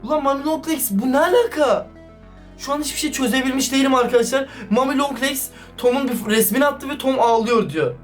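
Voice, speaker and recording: A man doing excited, casual vlog commentary, slangy and talking straight to his viewers. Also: very high-pitched, a little fast. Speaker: YouTuber reacting to a chat. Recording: distant mic with background music.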